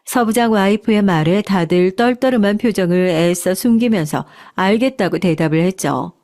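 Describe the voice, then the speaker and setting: A woman narrating a first-person story in a calm, measured way. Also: mid-range voice.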